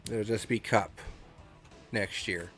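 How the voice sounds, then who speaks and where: A man's voice: lowish voice, steady tone, takes it slowly, fairly bright tone, soft background music. Congested man ranting bluntly. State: congested from a cold. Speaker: racing review host. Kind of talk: casual spoken review.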